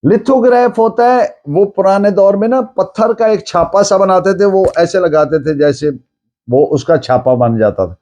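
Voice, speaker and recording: A man with a Pakistani accent lecturing on a legal text, deliberate, restating things in other words as he explains. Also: high-pitched, dark tone. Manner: deliberate, explains by repeating and rephrasing. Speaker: law lecturer.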